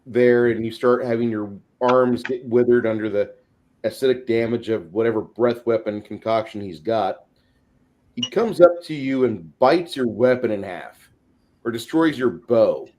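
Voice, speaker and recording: A man's voice: medium pitch, expressive, measured pace, a little mellow. Emphatic, sweary man talking gaming. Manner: emphatic, profane, vivid storytelling. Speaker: podcast co-host and game master. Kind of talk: casual opinionated panel talk.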